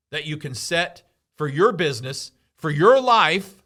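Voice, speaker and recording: A man with an American accent speaks at a moderate pace in a bright, sharp tone, his pitch swinging very widely, on a very clean recording with a silent background. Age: 60s. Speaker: podcast host, business owner. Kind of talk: motivational podcast monologue. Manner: animated.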